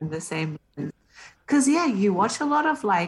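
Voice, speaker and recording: With an Australian accent, a woman speaks at a fairly slow pace. Her voice is somewhat breathy, with lively intonation. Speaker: recent graduate. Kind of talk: casual chat.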